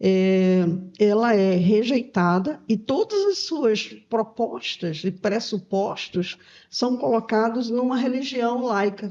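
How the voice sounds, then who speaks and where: A woman's fairly high voice with a dark, mellow tone, at a very slow pace with ordinary pitch variation. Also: very even loudness. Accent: northeastern Brazilian. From Brazilian Northeast. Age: 70s. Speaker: history professor. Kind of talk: casual chat. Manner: halting.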